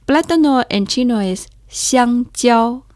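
Woman co-host with a background, deliberate unhurried pace, slow careful drills, dry studio sound. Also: mid-range voice, a little mellow, dry recording. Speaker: Chinese language teacher and co-host. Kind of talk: scripted language lesson.

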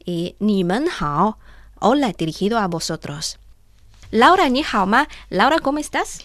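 Slow-spoken woman. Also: medium pitch, big pitch swings, a bit bright, no room sound, clean studio sound. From China. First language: Chinese. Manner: slow, careful, drilling pronunciation. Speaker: language teacher and co-host. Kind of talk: radio language lesson.

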